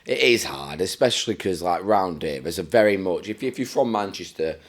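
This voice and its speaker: A man's voice: low voice, lively intonation, normal speed. A man hosting a podcast, asking questions in a friendly, matey, casual way. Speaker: podcast host. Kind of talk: casual interview chat.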